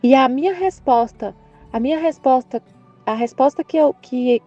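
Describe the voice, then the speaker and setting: A woman's voice: high voice, moderate pace. A woman with a Brazilian Portuguese accent sharing a personal spiritual reflection, earnest and rambling, often restarting and hesitating. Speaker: Catholic channel presenter. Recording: dull lo-fi sound with soft background music.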